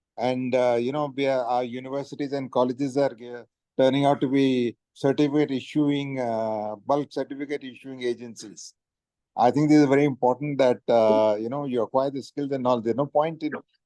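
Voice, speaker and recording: The voice moves at a fairly quick pace with a dark, mellow tone and monotone, flat intonation, in a dry, close sound with no echo. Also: man, medium pitch for a man. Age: 60s. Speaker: retired participant. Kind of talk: group discussion. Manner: formal.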